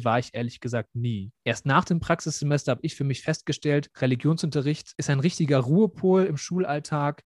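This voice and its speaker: A man's voice: medium pitch, no room sound, studio quality. A young man in his twenties, a student teacher, talking reflectively and earnestly as a podcast guest. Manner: reflective, earnest, many fillers. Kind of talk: podcast interview.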